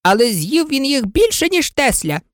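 A woman's voice: high-pitched, big pitch swings, normal speed, no room sound, studio quality, pitched above the performer's own voice. Cocky teasing twin boy, a woman doing him.

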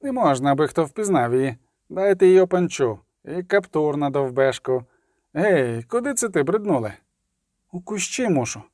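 A man reading an audiobook and voicing a brash, swaggering male outlaw who talks in rough, folksy slang and lies smoothly. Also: fairly high pitch, lively intonation, normal speed, a little mellow, no echo, clean studio sound, lightly acted. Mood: menacing.

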